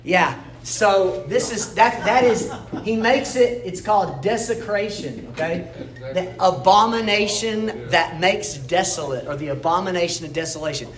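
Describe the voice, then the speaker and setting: A man's voice: high-pitched, measured pace, crowd noise. A man teaching an informal Bible history class in a church room, explaining in a conversational way and often checking in with his listeners. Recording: echoey room, faint background noise.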